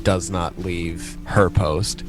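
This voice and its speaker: Slow-talking man running a tabletop game. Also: low-pitched, fairly even intonation, over music, low-quality recording. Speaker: game master.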